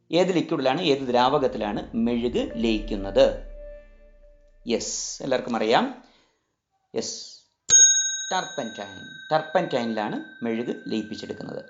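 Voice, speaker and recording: A man running a chemistry quiz lesson, who repeats each question and mixes languages as he coaxes listeners toward the answer. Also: mid-range voice. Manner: repeats each question, switches between languages, coaxing pauses. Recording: roomy, slightly dull sound with faint music.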